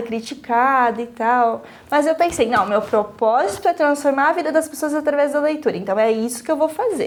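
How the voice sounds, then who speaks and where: High-pitched female speech at a moderate pace, with ordinary pitch variation. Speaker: writer and book youtuber. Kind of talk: interview.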